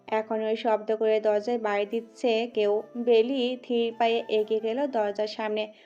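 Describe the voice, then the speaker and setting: A woman narrating a dramatic audio story with steady, scripted storytelling. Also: fairly high pitch, a little slow. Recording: muffled audio with background music.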